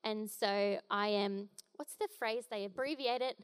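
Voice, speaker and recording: A woman's voice: mid-range voice, a little slow, smooth. A young woman giving a casual, jokey sermon as a guest preacher, with playful asides.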